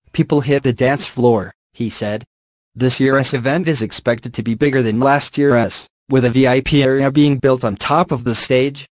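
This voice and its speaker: A man reads a news article aloud in a steady, even manner, his voice sitting in a middle pitch. The sound is dry and close, with no room around it. The wording slips now and then. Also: no room sound. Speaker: news reader.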